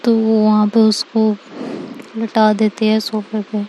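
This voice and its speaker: Mellow woman telling a story. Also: medium pitch, completely flat delivery, slow pace, slight background noise. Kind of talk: casual spoken storytelling.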